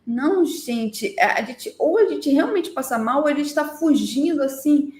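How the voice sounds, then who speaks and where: A woman's voice: high voice, animated, unhurried, a little mellow, reverberant. A woman hosting a podcast in casual chat, speaking earnestly and acting out what parents and children say. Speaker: podcast host.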